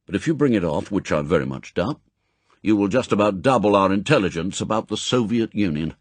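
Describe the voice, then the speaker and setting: Man acting a gruff, impatient old spy chief. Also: fairly low pitch, lively intonation, fairly quick, no echo. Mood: brisk, commanding. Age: older. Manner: brusque, authoritative, clipped commands. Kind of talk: audiobook character acting.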